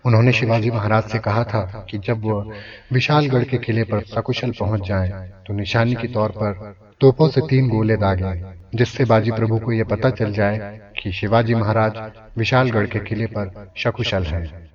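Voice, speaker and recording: A man's voice: fairly low pitch, fairly even intonation, moderate pace. A man narrating a scripted historical story in a formal, dramatic manner. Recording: distant, dull lo-fi, crowd noise behind.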